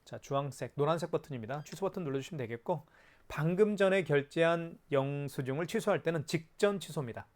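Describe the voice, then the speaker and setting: A man's voice: on the high side, a little fast, a little mellow. A man presenting a product in a hands-on tutorial, explaining step by step in an instructive way with rhetorical questions.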